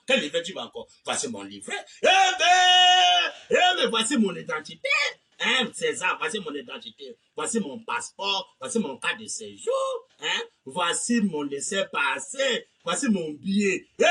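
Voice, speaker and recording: Preacher guy, bright edgy voice, keeps yelling "eh ben", kinda far from the mic. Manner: swings from low muttering to shouted high exclamations; repeats phrases with frequent "hein?" and "eh ben". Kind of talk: fiery sermon.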